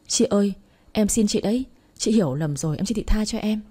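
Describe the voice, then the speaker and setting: A woman's voice: mid-range voice, brisk, dark tone, slightly rough, natural voice. A woman voicing a frightened young woman begging for mercy. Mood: pleading. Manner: pleading.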